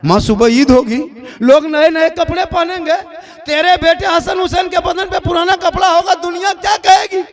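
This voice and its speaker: Man doing little boys, tearful, pleading, high-pitched, sermon storytelling. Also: normal speed. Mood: anxious pleading. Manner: tearful, pleading, repeating "mother". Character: two little boys begging their mother for new clothes.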